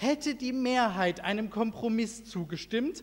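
Someone talks at a fairly slow pace with lively intonation amid noticeable background noise. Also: man. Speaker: city councillor. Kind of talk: council debate speech. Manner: heated.

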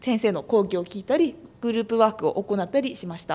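Her pitch swings very widely. The woman speaks at a fairly quick pace. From Japan, outside Yamagata. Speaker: university student. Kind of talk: presentation. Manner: halting, many fillers.

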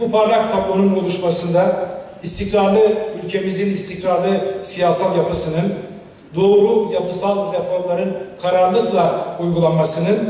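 Strong room echo surrounds a man's high voice. His intonation stays monotone and flat. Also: moderate pace. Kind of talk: formal speech. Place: hall.

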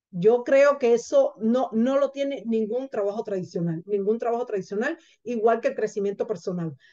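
A woman's fairly high voice with a dark, mellow tone, hardly any pauses and ordinary pitch variation, over a quiet background. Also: moderate pace. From Cuba. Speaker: direct sales representative. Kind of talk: sales pitch. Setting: group call. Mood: enthusiastic, persuasive. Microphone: video call.

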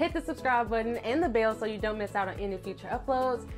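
Clear music plays in the background. A woman speaks at a high pitch with ordinary pitch variation. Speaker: vlogger. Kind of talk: casual vlog chat. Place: home room. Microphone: lapel.

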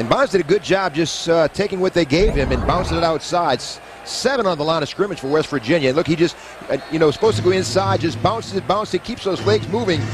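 There is noticeable background noise behind a man talking at a very fast pace. His pitch is high and swings very widely. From US South. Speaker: color commentator. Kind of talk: live commentary. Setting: broadcast booth at stadium.

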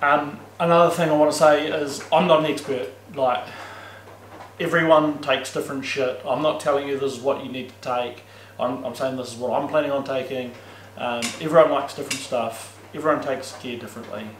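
The speech runs at a fairly quick pace with fairly even intonation. Light background noise and audible room echo can be heard. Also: man. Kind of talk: casual vlog chat. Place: home room.

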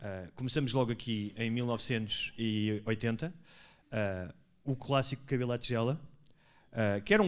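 A man speaks against a quiet background. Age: 40s. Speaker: comedian podcast host. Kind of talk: live podcast before audience. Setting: stage with audience. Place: stage. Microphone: studio mic.

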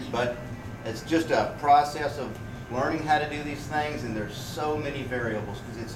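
A man with fairly even intonation, with noticeable background noise behind him. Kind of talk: informal explanatory talk to a tour group. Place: workshop. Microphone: camera far.

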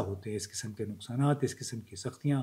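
Against a quiet background, a man speaks at a fairly slow pace. His tone is dark and mellow, and somewhat breathy. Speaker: political commentator. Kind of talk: political commentary monologue. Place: home room. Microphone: phone near.

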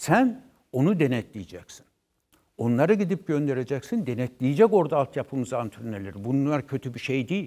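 A man talks at a moderate pace in a dark, mellow tone. His pitch swings very widely, and the background is quiet. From Turkey. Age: 60s. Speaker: former football coach. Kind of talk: interview. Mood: earnest, somewhat aggrieved. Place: studio. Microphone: lapel.

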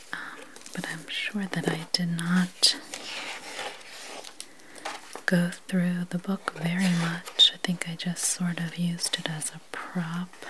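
Soft-spoken delivery at a very slow pace, broken by long, frequent pauses. Background noise is noticeable. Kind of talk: casual vlog chat. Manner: soft, hushed ASMR speaking voice. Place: home room.

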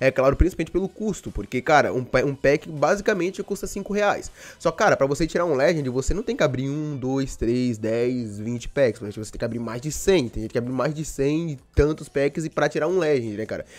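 Speaking at a moderate pace with hardly any pauses, a man with a Brazilian accent uses lively intonation at a fairly high pitch. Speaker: gaming YouTuber. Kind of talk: casual vlog commentary. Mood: complaining, opinionated. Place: home room. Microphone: studio mic.

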